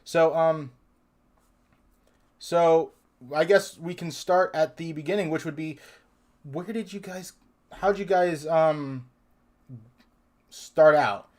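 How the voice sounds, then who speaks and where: Chatty higher-voiced male stream host. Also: slow pace, long pauses, darkish tone. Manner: loose and chatty, trailing restarts. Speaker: livestream host. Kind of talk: casual panel hosting.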